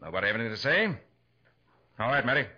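An actor playing a sharp, confident male private detective, calm under pressure, in a 1940s radio drama. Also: medium pitch, rapid-fire, husky, exaggerated voice. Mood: commanding. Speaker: lead actor. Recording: dull old 1940s radio recording.

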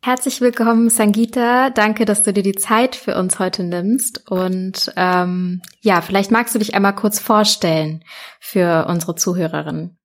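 A woman's voice: medium pitch, steady tone, measured pace. Friendly woman podcast host. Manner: friendly and hesitant, with many fillers when asking questions. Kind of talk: reading a quote aloud and interviewing.

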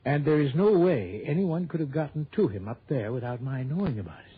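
Old radio drama: a fussy elderly doctor stammers and hedges through every answer in a husky, breathy voice. His speech sits at an ordinary pitch. It comes through a thin, tinny old broadcast. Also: lively intonation, fairly quick. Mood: defensive. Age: older. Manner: hesitant, flustered, stammering. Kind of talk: 1960s radio drama acting.

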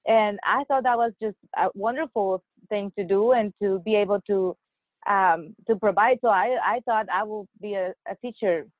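The podcast guest, a woman in her 40s from Mexico who works as a nurse anesthetist, talks at normal speed in a medium-pitched voice with no echo. Laughter and hesitation run through her answers in the interview. Her audio comes through a dry, tinny line that sounds like a phone.

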